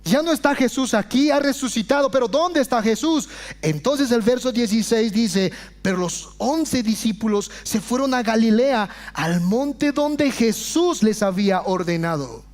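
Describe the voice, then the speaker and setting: A man preaching a sermon with passion, often dropping to hushed low phrases and calling his listeners brothers. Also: animated, normal speed. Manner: addresses congregation as brothers. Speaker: pastor.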